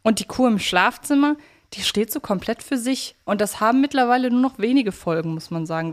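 A woman co-hosting a podcast, talking in a casual discussion style with a medium-pitched voice. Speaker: podcast co-host.

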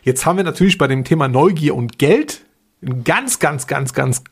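A man's voice: fairly high pitch, lively intonation, moderate pace, gravelly, breathy edge. A man co-hosting a podcast in casual, slangy talk, often stammering over the starts of his words. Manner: informal, slangy, stammering repeated word starts. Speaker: podcast co-host.

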